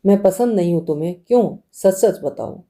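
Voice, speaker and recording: Woman reading a young bridegroom, gentle, pleading, soft coaxing questions, dark mellow tone, audiobook. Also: mid-range voice, animated, moderate pace, lightly acted.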